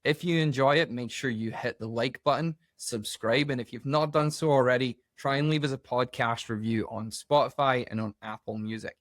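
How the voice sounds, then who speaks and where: A man's voice: medium pitch, moderate pace, few pauses, dry recording, clean studio sound. Upbeat man hosting a podcast. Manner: upbeat, enthusiastic, chatty. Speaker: podcast host. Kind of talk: casual podcast interview.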